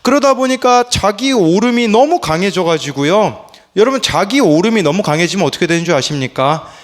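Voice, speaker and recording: A pastor in his thirties preaches a morning devotional with a high, bright-sounding voice. His pitch swings widely as he asks questions and acts out the lines he quotes. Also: animated, brisk. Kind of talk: early-morning devotional sermon.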